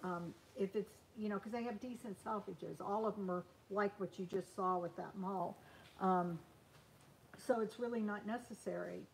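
Hand sewing live in a small sewing room, a woman in her sixties hosts a casual Q&A, chatty and loose, with frequent ums and restarted sentences. Her mid-range voice is creaky, the camera sits across the table, and a faint hum lies under the rough recording.

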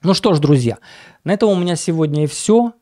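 Male financial forecast host: relaxed, dark-toned voice, informal halting commentary, close dry sound. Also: a little high, no room sound. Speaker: market analyst host of a weekly financial forecast.

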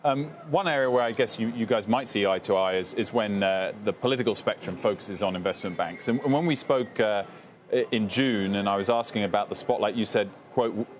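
A young male TV business anchor asking brisk, probing questions in an interview on a trading floor. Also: lowish voice, a little hiss or hum. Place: trading floor TV studio, indoors.

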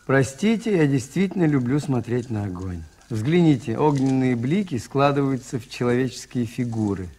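An actor playing a mild, wry, thoughtful Catholic priest detective in an early 1980s radio play, polite and understated. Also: male voice, medium pitch, expressive, normal speed, hardly any pauses, dark tone, close to an everyday voice. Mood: reflective, mild.

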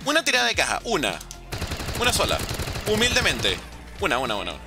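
A young man doing animated gameplay commentary, talking straight to his viewers. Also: on the high side, a little fast. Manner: animated, excitable, talks to viewers. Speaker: gaming YouTuber. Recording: game music behind voice.

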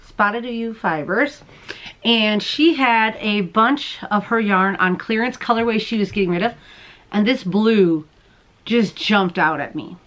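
A woman's voice: mid-range voice, fairly bright tone. A woman in her thirties hosting a yarn vlog, chatty and bubbly with frequent laughs. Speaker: yarn vlogger host. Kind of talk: casual chat. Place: busy yarn festival hall, then home studio. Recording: crowd noise at festival.

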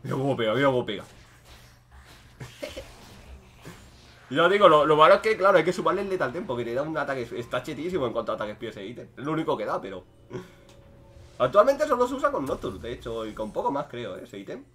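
A young man giving casual, joking commentary over his own gameplay, swinging between loud outbursts and low muttering. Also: very animated, fast, long pauses. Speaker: gaming streamer.

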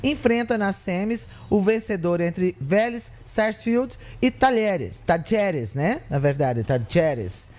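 A woman's voice: mid-range voice, expressive, takes it slowly, hardly any pauses, a little mellow. A woman presenting sports news on the radio, reading the items steadily with brief asides. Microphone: studio mic with headphones.

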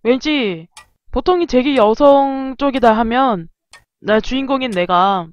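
A woman streamer giving animated, exasperated let's-play commentary on a close mic. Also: on the high side, unhurried, no room sound, muffled recording.

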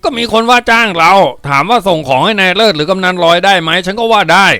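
A man's voice: high voice, fast talker, bright, forceful tone, smooth, dry recording, pitched above the performer's own voice. A man playing a chatty, rambling boatman. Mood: defensive. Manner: rambling, explaining at length. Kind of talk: audiobook character reading.

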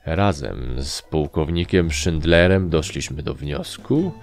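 A male narrator reads a fantasy story with a deep, unhurried voice. His delivery swings widely in pitch, and soft music plays faintly behind him. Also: animated, vocal fry. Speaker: audiobook narrator. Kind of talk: audiobook reading.

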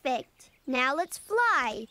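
A woman's voice: high voice, sing-song, slow pace, very noisy, exaggerated voice. A female performer voicing a cheerful young bear cub in a children's cartoon, playful and encouraging. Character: cheerful young bear cub, confident little would-be teacher. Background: music.

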